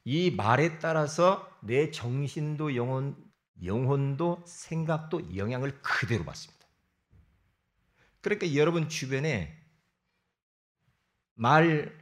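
A middle-aged man preaching a sermon to his congregation. He swings between loud emphatic bursts and low asides. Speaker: pastor.

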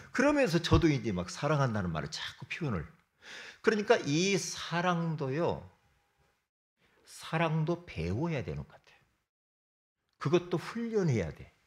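A man's voice: on the high side, huge pitch swings, normal speed. A man preaching a sermon as pastor, emphatic, often throwing rhetorical questions at the congregation.

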